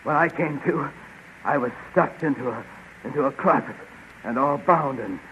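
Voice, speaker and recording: An actor playing a timid, deferential guard with halting speech in a 1930s radio serial. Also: male voice, medium pitch, fairly bright tone, natural voice. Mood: nervous, servile. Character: timid, fawning guard reporting to his king. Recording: muffled, hissy 1935 radio recording.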